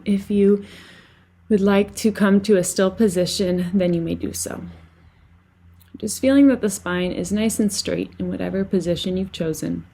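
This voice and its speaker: A woman leading a guided relaxation as a meditation teacher, speaking gently and soothingly with unhurried phrasing and long pauses. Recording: lower-quality microphone.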